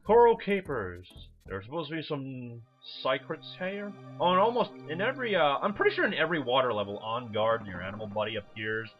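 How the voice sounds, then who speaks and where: A let's player rambles casually through video game commentary, informal and prone to swearing. His medium-pitched voice is expressive and a little fast, with few pauses. A dull lo-fi mic picks him up over the game's music.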